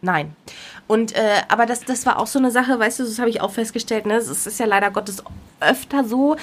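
This thirtysomething podcast co-host has a highish, brisk voice. Chatting casually, she tells a story with lively energy and plays out the quoted lines herself.

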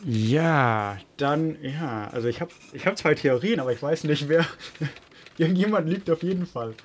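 A man playing detective in a mystery game, casually thinking aloud in a tentative, halting way. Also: on the high side, lively intonation, slight background noise. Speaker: player acting as detective.

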